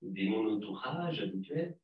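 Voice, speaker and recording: A man talks slowly and a little low, hesitating often and repeating words. He sounds far from the mic in a roomy space, and the sound is dull. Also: lively intonation. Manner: hesitant, halting with many repeats. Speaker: audience member at a lecture. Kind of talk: conference discussion remark.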